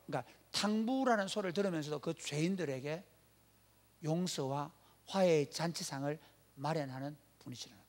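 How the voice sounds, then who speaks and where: Emphatic high-voiced pastor. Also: male voice. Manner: emphatic, blunt, asks the congregation rhetorical questions. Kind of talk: sermon. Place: church.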